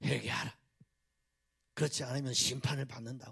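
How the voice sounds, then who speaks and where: A man whispers raspily in a put-on character voice at a fairly quick pace. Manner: whispering, half-hearted.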